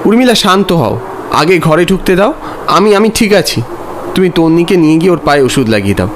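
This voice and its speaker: A man's voice: on the high side, a little fast, slight background noise, close to an everyday voice. A man playing an anxious, reflective father in a cartoon, telling his own story dramatically. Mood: agitated. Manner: expressive, dramatic. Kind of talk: dramatised story narration with dialogue. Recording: loud music under the voice.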